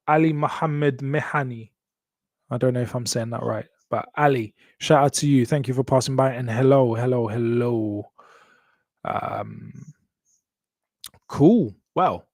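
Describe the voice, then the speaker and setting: A man's voice: mid-range voice, no echo. A man with a Kenyan accent, born in Congo and raised in Kenya, hosting a live show and signing off to his viewers in an upbeat, joking way, often repeating his phrases. English is not his first language. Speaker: host.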